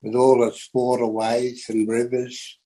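An older man with an Australian Aboriginal English accent gives unscripted personal testimony in a plain-spoken, halting, husky voice. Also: medium pitch, monotone, mellow, rough recording. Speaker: community elder and land activist.

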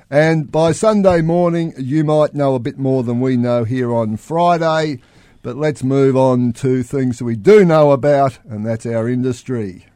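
A man's voice: medium pitch, dark tone, no room sound, studio quality. A man with an Australian accent hosting a casual podcast chat, blunt and swearing casually. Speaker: podcast host.

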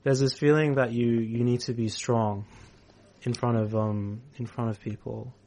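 Relaxed male community radio host. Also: medium pitch, moderate pace, slight background noise. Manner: relaxed, thinking aloud with fillers and laughs. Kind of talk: casual interview chat.

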